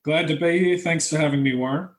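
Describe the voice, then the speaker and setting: Guy on a tinny internet call, echoey room, kinda hesitant w/ lots of uhs. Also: quick pace. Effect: tinny low-quality computer call audio. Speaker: guest author. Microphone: computer connection from home.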